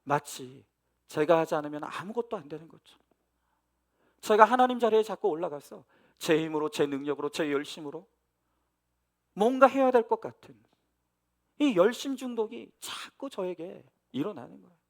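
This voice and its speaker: A middle-aged man preaching a sermon as pastor, earnest, swinging between loud emphasis and hushed, near-whispered passages. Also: high-pitched, lively intonation, normal speed, long pauses.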